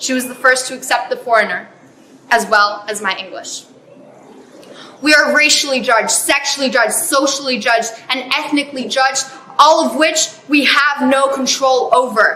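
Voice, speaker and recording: A woman speaks in a raised, projected voice at a high pitch and moderate pace, with ordinary pitch variation. The recording has audible room echo and noticeable background noise. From US, born to Hungarian family. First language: Hungarian. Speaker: student speaker. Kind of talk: prepared speech.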